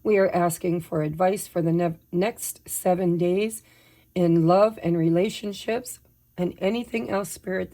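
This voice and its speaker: A woman, slightly hoarse while her voice recovers, chatting casually and apologetically through a pick-a-pile tarot reading. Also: lowish voice, warm tone. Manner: chatty, apologetic, tells personal updates while shuffling. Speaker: tarot reader.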